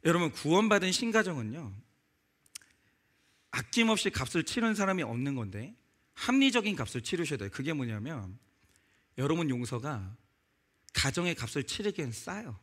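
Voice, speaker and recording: A man's voice: a little high, sing-song, moderate pace, pauses often, fairly bright tone. A male pastor preaching a sermon, acting out quoted lines and pressing the congregation with rhetorical questions. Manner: acts out quoted voices in his telling.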